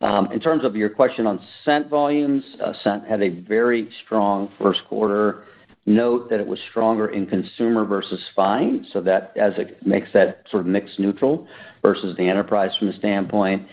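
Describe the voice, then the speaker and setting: A man speaking as a finance executive, answering business questions off the cuff in measured, hedging corporate language. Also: lowish voice, fairly even intonation. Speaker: company finance executive on earnings call. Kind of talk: unscripted business Q&A. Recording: muffled narrow phone-like conference line.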